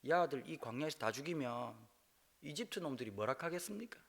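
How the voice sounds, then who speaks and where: Man voicing a hushed, pleading Moses. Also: a little high, expressive, fairly quick, creaky. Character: Moses pleading earnestly with God.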